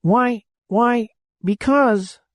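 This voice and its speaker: A man's voice: extremely high pitch, very slow, no room sound, studio quality, pitched above the performer's own voice, heavily acted. A man voicing a stubborn male spaceship crewman who stammers defensively.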